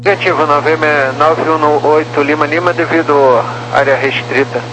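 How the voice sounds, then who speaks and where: Male air traffic controller, slightly high voice, procedural phrasing over a humming, noisy radio channel. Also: fairly even intonation, normal speed. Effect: radio transmission. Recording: noisy aviation radio with mains hum.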